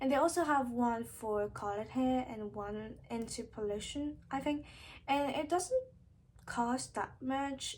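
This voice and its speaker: In a non-native accent, a woman speaks at a fairly slow pace with a high pitch and ordinary pitch variation. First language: not English. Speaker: beauty and hair care vlogger. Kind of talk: product review talk to camera.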